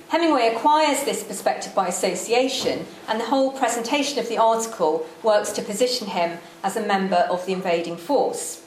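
A woman giving a lecture on slides, measured and dry-witted, with frequent ums. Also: medium pitch. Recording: echoey room with faint background noise.

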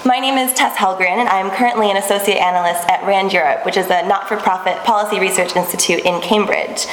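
A woman in her twenties giving a measured academic presentation to a panel in a small seminar room. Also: medium pitch, steady tone. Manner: clear, measured lecturing with occasional restarts. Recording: echoey room with long reverb, faint background noise.

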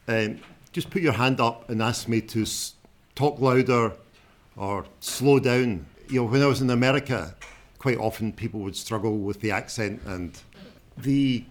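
This is a man from Scotland in his sixties, a journalist giving an unscripted public talk. His strong, broad accent sits at a middling pitch, and he speaks informally and plainly, with a somewhat halting delivery.

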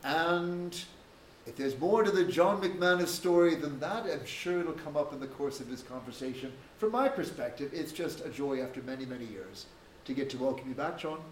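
Host, male, measured academic intro, slightly high voice, recorded from afar in an echoey room. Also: animated, distant mic, a little hiss or hum. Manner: measured, academic, dryly joking. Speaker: event host introducing a speaker. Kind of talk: formal spoken introduction. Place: lecture room.

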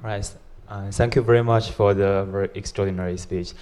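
A man's voice: on the low side, fairly even intonation, a little fast, darkish tone. Hesitant man from China asking a question. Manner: hesitant, many fillers. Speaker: audience member asking a question. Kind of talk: question from the floor. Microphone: roving handheld mic.

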